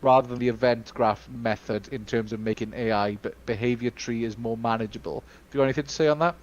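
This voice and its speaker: A Welsh-speaking man co-hosting a casual live-stream Q&A, talking in a chatty, halting way full of fillers and restarts. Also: medium pitch, steady tone, highs cut off. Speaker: studio co-host.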